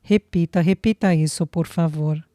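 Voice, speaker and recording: A woman's voice: deep voice, normal speed, dark tone, no room sound, clean studio sound, lightly acted. A woman voicing a loving young man, pleading and emotional, moved almost to tears.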